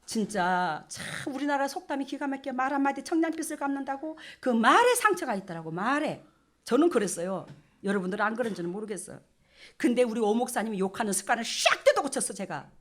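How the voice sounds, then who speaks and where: A woman's voice: fairly high pitch, quick pace. A middle-aged woman pastor, preaching a folksy sermon and acting out scenes. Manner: folksy, animated, acts out couples' quarrels with laughter.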